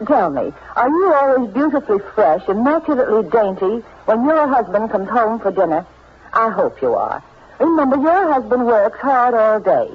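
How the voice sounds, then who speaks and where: A man's voice: very high-pitched, big pitch swings, moderate pace, breathy edge. A man reading a vintage radio commercial, addressing the listener directly. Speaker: advertisement pitchman. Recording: dull old radio recording.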